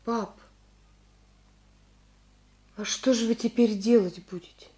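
A pleading young daughter. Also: female voice, on the high side, steady tone, takes it slowly, mellow. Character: worried grown daughter, gentle and pleading. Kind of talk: archival Soviet radio play acting.

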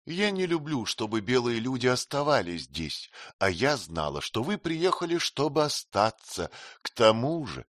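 A man's voice: medium pitch, sing-song, normal speed, few pauses, a bit bright, dry recording, studio quality, voice pushed up. A man voicing a scheming young queen who speaks in a pleading, coquettish and intense way.

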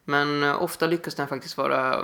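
Chatty young man with a gravelly voice. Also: a little high, steady tone, sharp tone. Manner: chatty, frequent restarts and fillers. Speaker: podcast co-host. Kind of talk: casual chat. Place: living room.

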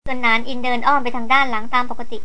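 A woman reading an adventure novel aloud as scripted narration, in a brisk, even storytelling read. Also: a little high, clean tone. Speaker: audiobook reader.

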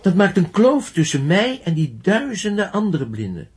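An actor playing an earnest, stubborn young blind teacher and inventor with a fervent, deliberate delivery in a Dutch radio play. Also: male voice, sits high, huge pitch swings, a little mellow. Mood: earnest, wistful.

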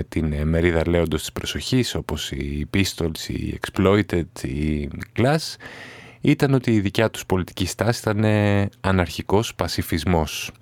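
Deep voiced guy doing music radio, chill, lots of umms, dry close mic. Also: dry recording. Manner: relaxed, many hesitation fillers. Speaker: radio show host. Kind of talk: casual radio talk with music commentary.

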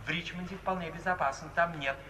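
An actor playing a flippant, charming young idler in a 1950s radio play, playfully mock-gallant and theatrical. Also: male voice, on the high side, steady tone, fast talker, sharp tone. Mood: wry. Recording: echoey, distant old radio recording, hiss.

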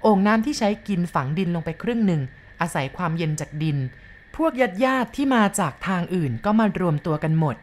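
A woman narrating a ghost story in a slow, measured way. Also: on the low side, lively intonation, a little mellow, a little hiss or hum.

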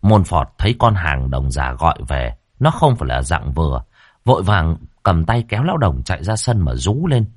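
A man narrating a ghost story in a vivid, lively way. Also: deep voice, normal speed, no room sound, clean studio sound. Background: faint background music.

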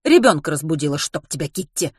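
A stern, disapproving woman in an audiobook, read by a female narrator. She grumbles with cold composure in a lowish pitch. The recording is dry and close. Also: fairly quick, breathy edge, no echo. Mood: annoyed. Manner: muttering, cold, even delivery.

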